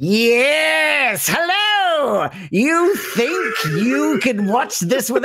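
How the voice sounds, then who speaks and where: Very slow speech in a put-on character voice, pitched fairly high. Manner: gleeful.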